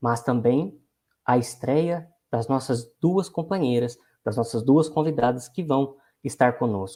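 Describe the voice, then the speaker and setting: A man in a Minas Gerais accent speaks at a very slow pace, medium in pitch with ordinary pitch variation. His voice is somewhat breathy, with a dark, mellow tone. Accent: Minas Gerais (mineiro). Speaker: moderator of a spiritist study program. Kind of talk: moderated livestream discussion, introducing guests. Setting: online livestream. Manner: warm, slightly halting.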